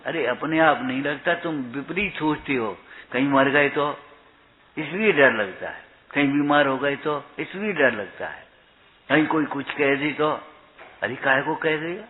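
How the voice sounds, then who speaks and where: A man giving a spiritual discourse, chanting verses slowly and then explaining them in a questioning, chiding way. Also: a little high. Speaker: preacher. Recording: tinny phone-like recording.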